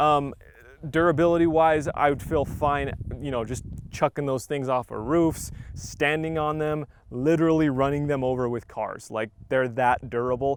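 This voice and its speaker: Here is a man with a normal speaking voice. He talks at a fairly high pitch and a moderate pace. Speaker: firearms reviewer. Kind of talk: product review. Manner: casual, filler-heavy.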